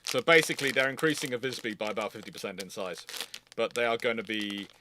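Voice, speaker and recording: A man hosting a casual live question-and-answer session, talking in a halting way and interrupting himself as he goes. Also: fairly low pitch, noisy background.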